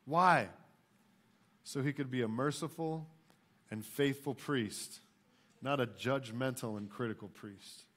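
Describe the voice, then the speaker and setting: Male pastor, forties, American accent, medium pitch, emphatic sermon delivery from a church stage. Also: slow pace, long pauses, fairly bright tone. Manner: emphatic, repeats questions and key phrases.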